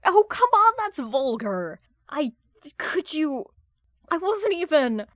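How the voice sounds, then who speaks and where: A woman acts out an insecure man who talks himself up in an audio drama. He stammers and protests, flustered and quick to defend his pride, in a close, dry sound. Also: high voice, sing-song, a bit bright, dry recording, pitched above the performer's own voice, heavily acted.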